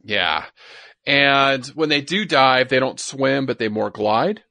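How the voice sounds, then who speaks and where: A man with a bright, forward voice at a medium pitch, recorded close and dry. He talks like a podcast co-host explaining science to a friend, informally and with frequent repetition. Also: slow, creaky, dry recording. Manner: repeats himself, informal explaining. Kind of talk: casual science chat.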